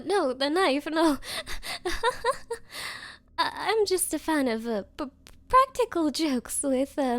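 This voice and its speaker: A woman's voice: high voice, no room sound, exaggerated voice. A woman playing an obsessive, clingy yandere on a date in an ASMR roleplay, stammering and pleading with nervous giggles. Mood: flustered, nervous.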